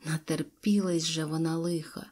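A woman voicing a sympathetic male Cossack warrior who speaks in a soft, sighing tone. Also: deep voice, fairly even intonation, moderate pace, faint music behind. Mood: pitying.

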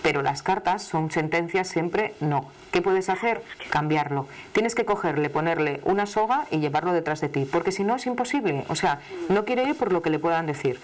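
A woman's voice: lowish voice, expressive, moderate pace, hardly any pauses, rough recording. A middle-aged woman from Asturias with an Asturian accent, giving a live television tarot reading to a caller in an emphatic, familiar, chatty way. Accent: Asturian Spanish. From Asturias, Spain. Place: television studio. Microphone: studio microphone, seated at desk.

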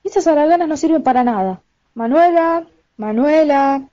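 A woman's voice: sits high, lively intonation, moderate pace. A young woman playing a domineering, scolding middle-aged widowed mother in an amateur radio play, with a Buenos Aires accent. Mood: irritated. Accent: Argentine (Buenos Aires). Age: teenager or young adult. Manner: bossy, exclamatory. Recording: dull lo-fi home recording.

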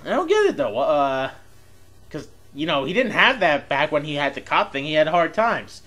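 A man casually commenting over a wrestling video game, excitable, laughing often and swearing. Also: fairly high pitch, moderate pace. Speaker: gameplay video host. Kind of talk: casual let's-play commentary. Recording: voice over loud game music.

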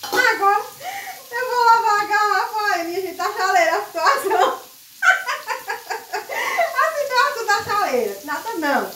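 Loud, chatty woman cooking at the stove. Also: very high-pitched, sing-song, a little slow, pauses often, a little hiss or hum. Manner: loud, chatty, laughs often. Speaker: vlogger. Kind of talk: casual chat while cooking. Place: home kitchen by the stove. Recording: echoey kitchen, mic set far off.

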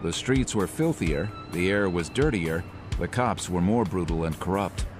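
A man narrating in a measured, descriptive way. His voice sits very low. Music plays clearly beneath him. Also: animated. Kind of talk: scripted narration.

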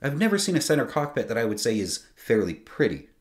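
A man's voice: mid-range voice, fast talker. A man in his forties hosting a sailing channel, talking emphatically to camera from a small home studio. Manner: animated, emphatic, gestures with his hands. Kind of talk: scripted video commentary.

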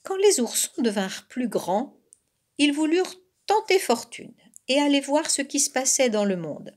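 A woman reads a children's tale aloud as a volunteer storyteller. She tells it slowly and expressively, her fairly high voice rising and falling with great liveliness. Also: sing-song.

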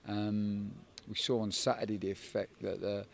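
A man in his forties, a football head coach, giving a measured post-match interview outdoors at a night stadium, often repeating words as he thinks. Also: lowish voice, level tone, creaky, slight background noise. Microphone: handheld interviewer microphone.

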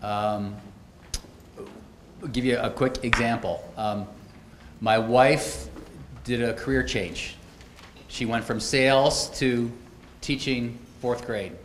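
A man's voice: medium pitch, fairly even intonation, slow, pauses often. A middle-aged man giving a conference keynote at a podium, telling stories in a conversational way with wry asides. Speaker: keynote speaker. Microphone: podium microphones. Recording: echoey auditorium, faint noise.

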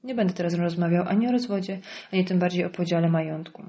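A woman's voice: lowish voice, quick pace, mellow, natural voice. A woman reading an audiobook voices a curt, irritable middle-aged politician husband. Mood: curt, irritated. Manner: curt, dismissive.

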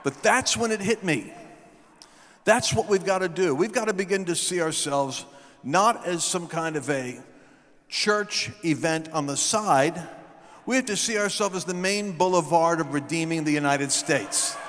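A middle-aged man preaches on a large stage, telling stories into a handheld mic. His voice sits high for a man. Now and then he rises into shouted proclamations, and a long reverb trails every word through the hall. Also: measured pace. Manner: storytelling, building to shouted proclamations. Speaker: guest speaker.

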